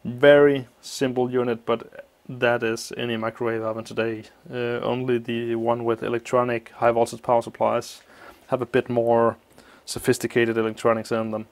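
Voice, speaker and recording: A man explaining a teardown of an old appliance at a workshop bench, thinking aloud with many pauses, his voice slightly muffled by a mask. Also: mid-range voice, level tone. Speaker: electronics teardown host. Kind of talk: hands-on technical walkthrough.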